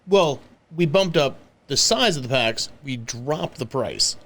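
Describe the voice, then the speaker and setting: A man's voice: medium pitch, lively intonation, a little slow, fairly bright tone. A man speaking casually as a company guest on a podcast. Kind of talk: casual chat.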